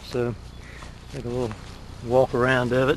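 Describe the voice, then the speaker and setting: With noticeable background noise behind him, a man talks at a moderate pace and a medium pitch. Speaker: home gardener vlogger. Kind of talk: tutorial. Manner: loud.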